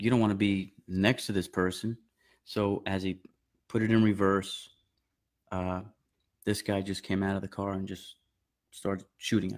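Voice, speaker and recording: On a very clean recording with a silent background, a man with an American accent and a fairly low pitch talks at a fairly slow pace, with fairly even intonation and long, frequent pauses. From New York, Long Island. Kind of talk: testimony.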